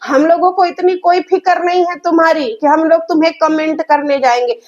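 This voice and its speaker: Female reaction vlogger, high voice, sore throat, scolding and sarcastic; lo-fi dull recording. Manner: mocking, scolding, addresses viewers as guys. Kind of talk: roast reaction commentary.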